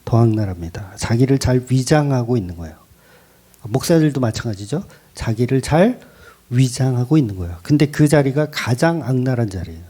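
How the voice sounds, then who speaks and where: A man preaching a sermon as pastor, in an animated way with rhetorical questions and emphatic repetition. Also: medium pitch, fairly quick, breathy edge. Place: church.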